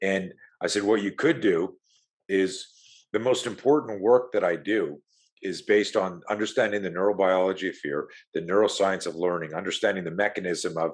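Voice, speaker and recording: A fairly quick man's voice, fairly low in pitch, with ordinary pitch variation over a quiet background. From Canada, Montreal. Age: 60s. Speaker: self-defense expert. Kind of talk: interview conversation. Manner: animated, many fillers.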